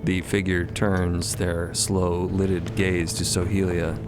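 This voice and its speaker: A man giving dramatic scripted story narration in a measured, atmospheric, deliberate manner. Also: low voice, flat delivery, noisy background. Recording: loud music bed behind the voice.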